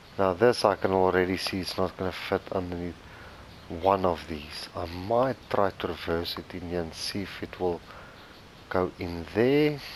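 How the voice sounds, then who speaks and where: Over noticeable background noise, a man mumbles in a very deep, low pitch. His pace is moderate and his pitch varies in an ordinary way. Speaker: gaming youtuber. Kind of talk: let's play commentary. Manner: mumbling.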